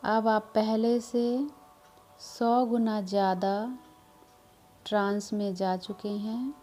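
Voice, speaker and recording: A woman leading a guided meditation in a soothing, measured manner, leaving long pauses between short instructions. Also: mid-range voice, little pitch movement, warm tone. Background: background music.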